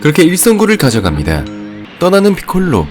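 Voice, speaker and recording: A man's voice: on the high side, huge pitch swings, fairly quick, over loud music. A man giving scripted narration for an anime story recap.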